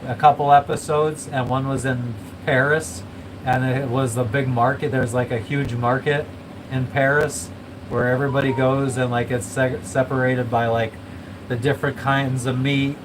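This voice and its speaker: Male vlogger, monotone casual rambler, middle pitch, noisy recording. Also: normal speed. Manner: rambling, swears a lot, self-described monotone. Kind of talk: casual chat. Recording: noisy room with air conditioning and traffic hum.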